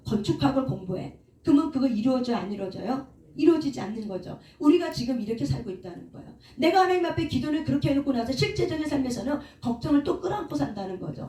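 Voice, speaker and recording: High-voiced woman preaching in an echoey hall. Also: dark tone. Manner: asks the congregation questions and answers them herself. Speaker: preacher and counselor. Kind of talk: sermon. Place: prayer hall. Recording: echoey room, voice from a distance.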